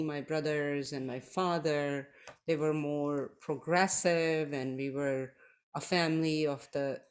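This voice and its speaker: A middle-aged woman from Pakistan, co-hosting a podcast and speaking reflectively about her life, with many pauses. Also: sits low. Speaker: podcast co-host, doctor. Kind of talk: casual podcast chat.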